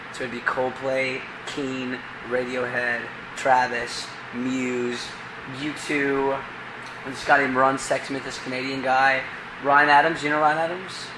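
Over noticeable background noise, a man talks at a fairly slow pace with long, frequent pauses. His intonation is monotone and flat, while his loudness swings widely. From Tennessee. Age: 20s. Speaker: singer-songwriter. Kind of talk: interview answer. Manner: casual, relaxed. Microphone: camera far.

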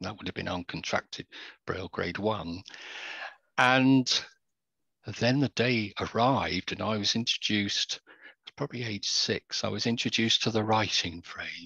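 With long, frequent pauses, a man in a British accent speaks at a fairly low pitch with a bright, sharp tone. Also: ordinary pitch variation, moderate pace, dry, close sound with no echo. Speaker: braille music transcriber and association chair. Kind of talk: panel discussion. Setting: video call.

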